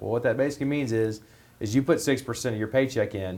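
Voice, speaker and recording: A man speaks in a medium pitch with fairly even intonation. His is an ordinary speaking voice. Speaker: financial advisor and co-host. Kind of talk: casual explanation of retirement accounts. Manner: explanatory.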